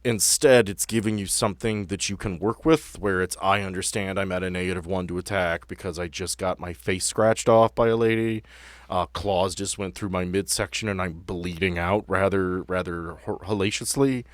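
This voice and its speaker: A man's voice: low voice, steady tone, normal speed, dry recording, clean studio sound. A man acting as game master, narrating and refereeing a tabletop game in a casual, explanatory way with vivid descriptions.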